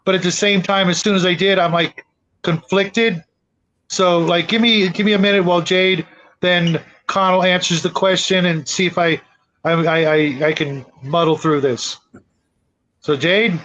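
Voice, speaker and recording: A man's voice: high voice, steady tone, a little slow, fairly bright tone. A man hosting a casual gaming discussion, hesitant and thoughtful, over a dull lo-fi connection. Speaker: tabletop gaming talk show host.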